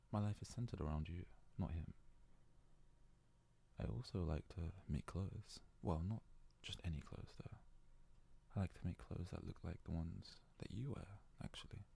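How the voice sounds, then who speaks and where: A man playing a devoted, self-abasing young yandere fox-boy servant in an ASMR roleplay, worshipful and hesitant, often slipping into breathy whispers. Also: low voice, normal speed, dark tone, exaggerated voice. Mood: sheepish confession. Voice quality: husky, gravelly, breathy, often dropping to a whisper.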